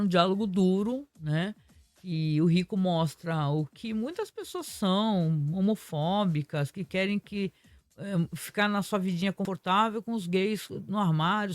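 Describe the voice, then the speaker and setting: Animated, high-voiced man reviewing. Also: no room sound. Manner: animated, indignant, retells scenes with quoted dialogue. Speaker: series reviewer. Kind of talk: casual spoken episode review.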